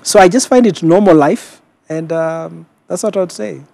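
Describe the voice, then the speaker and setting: A middle-aged man with a Kenyan accent and a voice a little higher than average. He is a pastor telling his own story in a television studio interview, reflective and measured, pausing as he goes. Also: vocal fry, darkish tone, no echo. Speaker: guest, senior pastor. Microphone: lapel mic.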